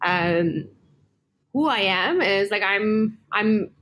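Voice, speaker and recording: A woman's voice: medium pitch, expressive, very slow, a bit bright, slight background noise. A woman in her thirties, born and raised in Turkey, a native Turkish speaker, answering interview questions casually, hesitant with many fillers and restarts. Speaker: guest, tech executive.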